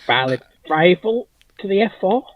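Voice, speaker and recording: A man's voice: high voice, big pitch swings, normal speed. A man chipping in with casual banter as a panellist on a livestream, over a slightly dull connection.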